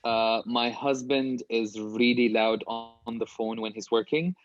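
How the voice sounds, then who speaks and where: A man's voice: medium pitch, fairly even intonation, a little slow, highs cut off, faint music behind. A man from Syria speaking informally and candidly as a guest author in a casual interview over a video call from a small home office.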